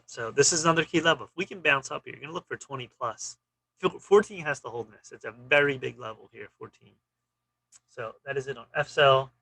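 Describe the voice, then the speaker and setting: A man runs through stock charts in quick fragments, with a steady "you know" between them. His voice has a gravelly fry and a bright, forceful edge. The sound is dry and close, with no room around it. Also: mid-range voice, no echo, rough recording. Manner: clipped, fragmentary phrases with frequent "you know". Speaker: stock trading channel host. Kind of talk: casual chart commentary.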